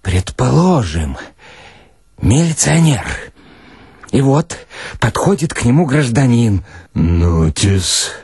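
A man reading a first-person literary story in a theatrical, dramatic and deliberate manner. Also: mid-range voice, big pitch swings, dark tone, husky, no echo, clean studio sound. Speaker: narrator, reader.

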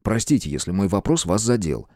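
A man voicing a calm male investigator who asks measured, dry questions. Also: sits low, no echo, heavily acted. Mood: cool.

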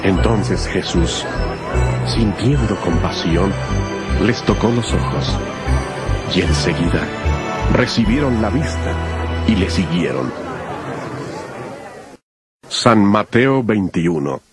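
Low, lively male scripture narrator. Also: slow, pauses often, over loud music, a loud crowd.

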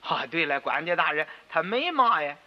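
男说书人扮的谦卑的老豆腐坊掌柜. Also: male voice, fairly high pitch, very animated, moderate pace. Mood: placating. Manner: placating, scolding his son gently. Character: humble, anxious old tofu-shop father. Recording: dull radio recording with long reverb.

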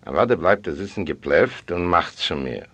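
A man reading a story aloud in the first person, expressive and swinging between hushed and loud passages. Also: low voice, moderate pace. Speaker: audiobook reader. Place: library recording room. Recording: dull lo-fi audio.

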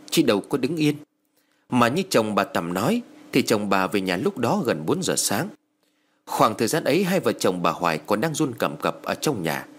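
A man reading a ghost story aloud in a dramatic, expressive way. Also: fairly low pitch, a little hiss or hum. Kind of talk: scripted story narration. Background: faint music.

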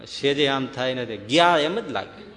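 A man preaching a sermon, telling a devotional story in a lively way and often chuckling. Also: medium pitch, unhurried. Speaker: religious preacher. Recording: long hall reverb.

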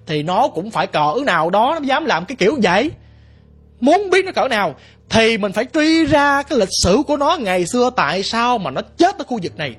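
Man, ghost story narration, husky, dramatic, faint music behind. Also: extremely high pitch, very animated, fairly quick, fairly bright tone. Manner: dramatic, vivid, exclaiming.

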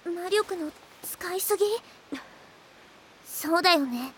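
Very high-pitched young magical girl. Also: animated, slow, a bit bright, slight background noise, heavily acted. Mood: gentle, caring. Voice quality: childlike, girlish. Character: earnest, caring young magical girl heroine. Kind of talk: Japanese anime audio drama acting. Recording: music behind the voice.

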